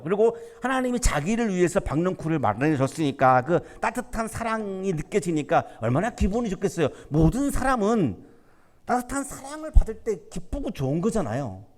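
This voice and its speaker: A man preaching a sermon as pastor, talking conversationally and asking rhetorical questions. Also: a little high. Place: university church sanctuary. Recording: church hall reverb.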